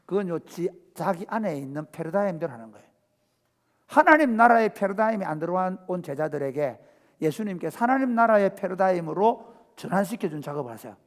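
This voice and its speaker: Animated pastor in echoing church. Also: male voice, high-pitched, fairly quick. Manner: dramatic, acts out biblical voices, swings from hushed to shouting. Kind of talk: animated sermon. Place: church sanctuary. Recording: church hall reverb.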